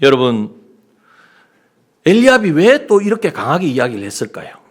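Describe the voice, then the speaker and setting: A man's voice: a little high, moderate pace. A man preaching a sermon as pastor, acting out the quoted speech of the figures he talks about. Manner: animated preaching, acts out quoted lines.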